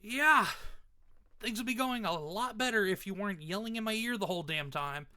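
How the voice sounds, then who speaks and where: A man's voice: high-pitched, moderate pace, bright, forceful tone, pitched above the performer's own voice. A man voicing a defiant, irritable young superhero son, snappy and defensive, reading from a comic book. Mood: annoyed. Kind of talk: comic book read-aloud.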